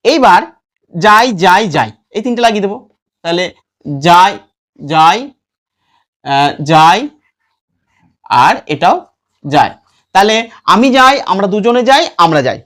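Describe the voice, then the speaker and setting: A man teaching a lesson. He patiently recites verb forms over and over in a slow chant and keeps checking that students follow. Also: high-pitched, very animated, a bit bright. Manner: checks in with listeners often. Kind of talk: classroom lesson with recitation drills.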